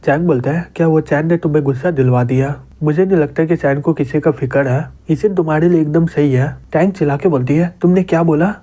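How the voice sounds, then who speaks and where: Male narrator, Hindi accent, upper-middle pitch, mellow tone, plain storytelling recap. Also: brisk, few pauses. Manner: plain retelling, quotes read without doing voices. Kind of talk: storytelling recap, reading character lines in his own voice.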